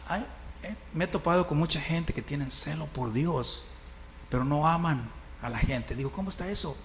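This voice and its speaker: A man preaching a conversational sermon, often asking "right?" and chuckling. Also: a little high. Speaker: pastor. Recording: reverberant hall, faint noise.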